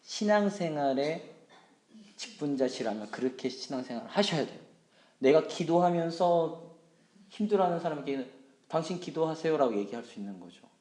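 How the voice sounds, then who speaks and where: Lively, animated man teaching Bible study. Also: normal speed, reverberant. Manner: animated, acts out scolding and quoted voices with big pitch jumps; humorous, self-deprecating asides. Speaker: junior pastor.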